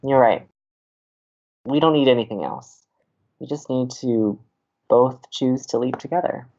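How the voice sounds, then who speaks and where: An actor playing an earnest, smitten young man who co-hosts college radio, speaking in a halting, tender, teasing way in an audio romantic comedy. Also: mid-range voice, a little mellow, lo-fi sound, close to an everyday voice. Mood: nervous, tender. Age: young adult.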